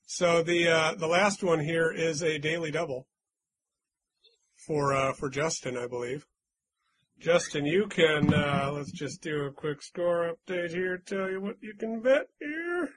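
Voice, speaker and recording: A slightly higher, husky male voice runs a trivia game for friends. He reads clues aloud and teases the contestants in a loose, chatty way. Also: measured pace, a bit bright, rough recording. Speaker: quiz host. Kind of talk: casual game-show chat with friends.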